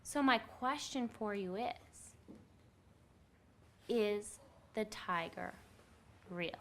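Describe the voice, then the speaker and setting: A woman's voice: medium pitch, drawn-out words, a little hiss or hum. A woman teacher leading a class discussion and reading a novel aloud to her students. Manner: expressive, clear teacher voice.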